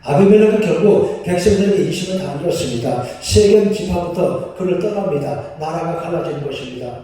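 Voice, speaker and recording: A man's voice: high-pitched, warm tone, far from the mic. A man preaching a sermon as pastor, in a conversational way, often asking the congregation questions. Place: church sanctuary. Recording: echoey hall, voice picked up from afar.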